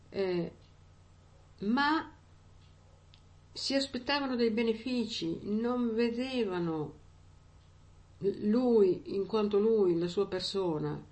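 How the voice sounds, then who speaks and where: A woman's voice: medium pitch, darkish tone. A woman preaching a sermon in a conversational way, often checking in with her listeners with little asides.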